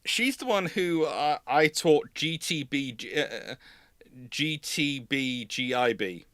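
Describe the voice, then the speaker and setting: A man's voice: mid-range voice, lively intonation, slow pace, a bit bright, dry recording, clean studio sound. A man with a British accent hosting an unscripted live chat, rambling and rephrasing himself as he explains. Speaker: host of a live history stream.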